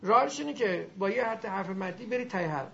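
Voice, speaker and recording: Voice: mid-range voice, expressive, creaky, bright, forceful tone, dull audio, a little hiss or hum. A teacher giving a classroom lesson on Arabic grammar and pronunciation, demonstrating sounds aloud and quizzing the class.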